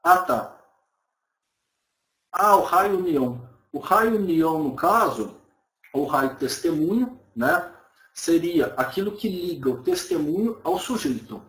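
In roomy webcam audio from a small room, a man in his thirties gives a live online lecture, answering viewer questions casually and often checking in with listeners. His voice is on the high side, slow and fairly bright with big pitch swings, and he speaks conversationally with frequent tag questions and hedged personal opinions.

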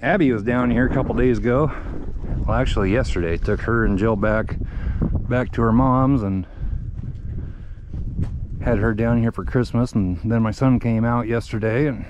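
On a lo-fi recording with background noise, a medium-pitched man speaks at a normal speed but pauses often. This middle-aged central Iowa vlogger and farm shop owner walks his snowy-season farmyard, and also inside a shop, with an action camera, giving a plain-spoken, wandering update.

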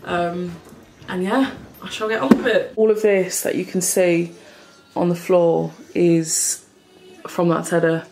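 A woman, a bit hoarse, chatting casually and rambling to camera in her kitchen, swearing and laughing now and then. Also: lowish voice, steady tone, a little slow, warm tone. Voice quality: a bit hoarse, froggy throat. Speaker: cleaning vlogger. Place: home kitchen, indoors. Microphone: camera in front of her at table height. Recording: echoey kitchen with background noise.

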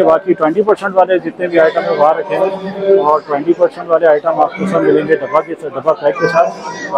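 A man's voice: on the high side, lo-fi sound. Chatty man vlogging through a busy expo. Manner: chatty, repeats questions back. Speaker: vlogger host. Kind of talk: walking expo vlog, interviewing vendors. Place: large indoor expo hall. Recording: busy crowd around.

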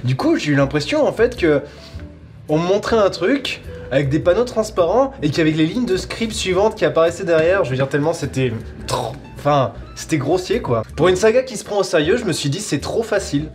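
A man's voice: a little high, big pitch swings, a little fast, faint music behind. A young adult man, giving a blunt, casual counter-opinion as co-host. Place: wood-panelled bar room, indoors.

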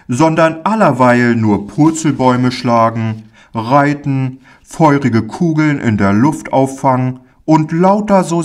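A man voicing a kind, friendly older man in a storybook reading, speaking gently with a tinged manner. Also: mid-range voice, pitched above the performer's own voice. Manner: gentle, warmly admonishing.

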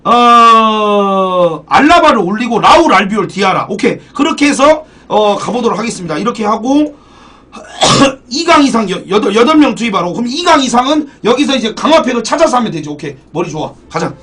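Excitable high-voiced young male streamer. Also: a little fast, slightly rough. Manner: excitable, profane, thanks donors. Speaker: game streamer. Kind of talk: live game streaming chat. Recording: distant mic, background music.

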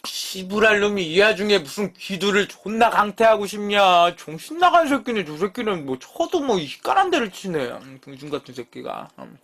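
Lively, foul-mouthed young Korean streamer man. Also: high-pitched, moderate pace, hardly any pauses. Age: 30s. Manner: swears freely, teasing and bickering with chat; lively, jumps between mumbling and loud outbursts. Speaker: live-stream eating show host. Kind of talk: casual live-stream chat with viewers.

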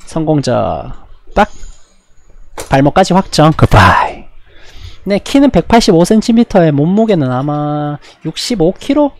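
A man giving live commentary while he plays a fighting game, with rapid, self-mocking banter and sudden exclamations. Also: a little high, expressive, mellow. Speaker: game streamer.

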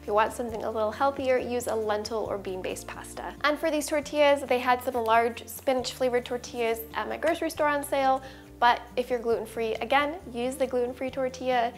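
A woman in her thirties, a cooking channel host, narrating a recipe voice-over with clear step-by-step instructions. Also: on the high side, fairly quick, faint music behind.

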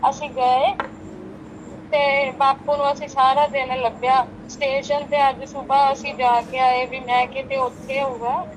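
A woman's voice: high voice, little pitch movement, a little slow. A woman, the daughter of an elderly man, talking in a pleading, emotional way. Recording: loud street background noise.

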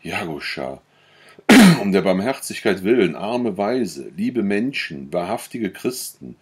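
A man voicing a pious old beggar woman in a storybook reading, pleading loudly. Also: lowish voice, sing-song, slow pace, slightly rough, exaggerated voice. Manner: pleading, begging.

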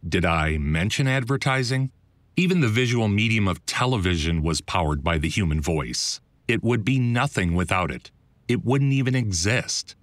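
Reading his own scripted first-person audiobook, a middle-aged American man speaks at a moderate pace with a fairly low pitch and lively intonation. The close, dry studio recording has no room sound, and his delivery is wry, conversational and emphatic.

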